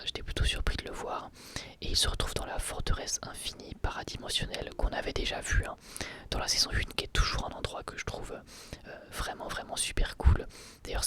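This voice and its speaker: Man whispering an ASMR review. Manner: soft unvoiced whisper throughout; relaxed, rambling, with hesitant restarts.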